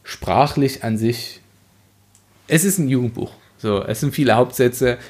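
Male podcast host, medium pitch, casual and reflective reviewer who rephrases as he goes. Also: unhurried, darkish tone. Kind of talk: casual book review discussion.

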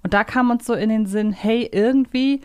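A woman's voice: a little high, normal speed, darkish tone, clean tone, no echo, studio quality. A woman hosting a podcast, chatting casually and enthusiastically, thinking aloud in long winding sentences. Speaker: podcast host. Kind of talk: casual fan chat and quiz banter.

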